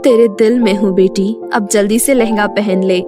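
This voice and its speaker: A woman's voice: mid-range voice, steady tone, moderate pace, pitched below the performer's own voice, close to an everyday voice. A woman voicing a dead mother's loving, reassuring spirit in a storybook tale. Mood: tender, reassuring. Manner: tender, reassuring. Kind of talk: Hindi moral horror storytelling. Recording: music behind the voice.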